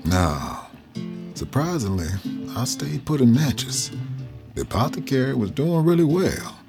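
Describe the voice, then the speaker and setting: An actor playing an old freed man from the South who tells his life story slowly and reflectively. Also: medium pitch, very animated, gravelly, over music. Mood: reminiscing. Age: older. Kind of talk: audio drama narration.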